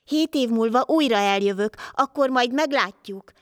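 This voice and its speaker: A woman voicing Life, a wandering healer, in a calm, measured storybook voice. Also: fairly high pitch, dry recording, studio quality, close to an everyday voice.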